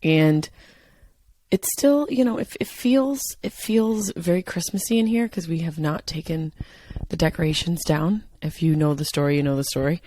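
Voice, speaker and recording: A woman hosting a comedy podcast, her voice hoarse and partly gone, talking in a brash, joking way with plenty of swearing. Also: deep voice, warm tone, no room sound. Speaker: podcast host. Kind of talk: casual comedic podcast monologue. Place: guest room of a house.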